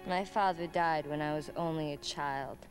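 An actress playing a scornful, wounded young gypsy psychic in a dramatic video game cutscene. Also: female voice, deep voice, steady tone, moderate pace, lightly acted, low-quality recording. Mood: scornful, bitter. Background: music.

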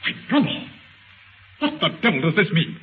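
An actor playing a blustery, hearty Regency aristocrat with theatrical exclamations in 1930s radio acting style. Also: male voice, high-pitched, very animated, moderate pace. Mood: suspicious. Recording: scratchy, phone-like 1930s radio recording.

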